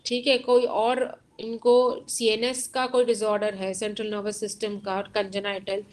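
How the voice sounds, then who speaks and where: A woman's voice: fairly high pitch, rough recording. A woman with an Indian accent giving a lecture, explaining step by step and switching between Hindi and English. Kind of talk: online lecture.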